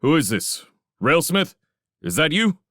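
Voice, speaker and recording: A man's voice: low-pitched, sing-song, measured pace, bright, forceful tone, no echo, studio quality, heavily acted. A man voicing an irritable scout leader who snaps out commands urgently, in a dramatic audiobook style. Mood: tense, irritated. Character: gruff, irritable male scout leader barking orders. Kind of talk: dramatic audiobook character acting.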